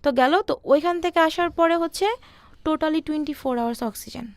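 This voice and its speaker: A young woman, telling her personal story softly and hesitantly with many fillers. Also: sits high, normal speed, dry recording. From Bangladesh. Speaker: interview guest.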